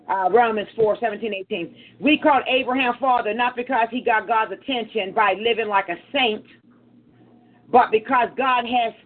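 A woman's voice: fairly high pitch, a little hiss or hum. A woman with an African American accent preaching a fervent call-and-response sermon, emphatic and repetitive, with punctuating exclamations. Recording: tinny phone-like sound.

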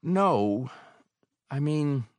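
Narrator voicing a hesitant young man, stammering, lively pitch, dry booth sound. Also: extremely slow, dry recording.

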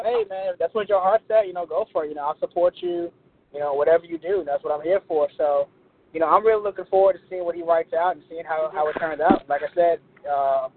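A man chatting casually and supportively, with many "you know" fillers. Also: on the high side. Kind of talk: casual chat. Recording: tinny phone line with faint noise.

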